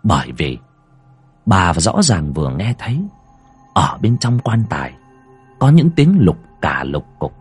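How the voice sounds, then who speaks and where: Husky male ghost-story narrator. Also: low voice, a little slow, pauses often, soft background music. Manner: expressive, dramatic storytelling.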